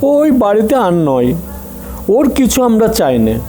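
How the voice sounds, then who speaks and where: An actor playing a devoted, gently firm nephew in an audio story drama. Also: male voice, sits high, very animated, slow pace, soft background music, full character voice.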